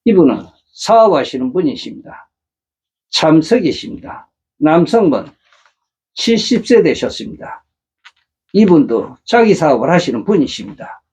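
A man's voice: fairly high pitch, sing-song, normal speed, long pauses, darkish tone, slightly rough. A middle-aged man hosting a matchmaking channel, talking earnestly to viewers and lecturing with rhetorical questions. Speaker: matchmaking agency host. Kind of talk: casual monologue to viewers.

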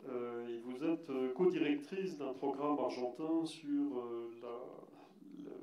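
A man moderating a panel introduces the next speaker, hesitating often and filling pauses. His voice is mellow. The sound is very echoey and taken from far off in a big hall. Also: mid-range voice, a little hiss or hum. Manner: hesitant, many fillers. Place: large hall on a stage.

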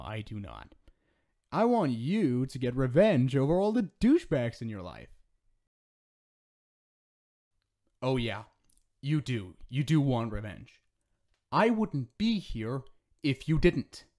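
A man's voice: medium pitch, a little mellow. A man voicing a cheeky, flirty male demon in a casual, sardonic ASMR roleplay monologue, joking and swearing freely. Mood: coaxing, intense.

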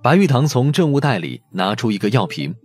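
A man's voice: mid-range voice, sing-song, fairly quick, darkish tone, faint music behind. A man reading a novel aloud as a dramatic audiobook narrator.

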